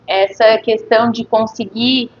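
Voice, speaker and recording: Higher-voiced woman, reflective and hesitant. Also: fairly even intonation, measured pace. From Criciúma, Santa Catarina, Brazil. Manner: reflective, hesitant, frequent tag questions. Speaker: guest, nurse. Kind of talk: casual interview chat. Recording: dull lo-fi audio with faint noise.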